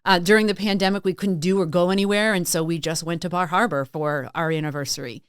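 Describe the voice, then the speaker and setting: Low-pitched, smooth-voiced woman guest. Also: steady tone, quick pace, dry recording, studio quality. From Massachusetts and Maine, USA. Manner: chatty, storytelling, frequent "like" and "um". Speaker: podcast guest, sales consultant and author. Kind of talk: casual interview chat.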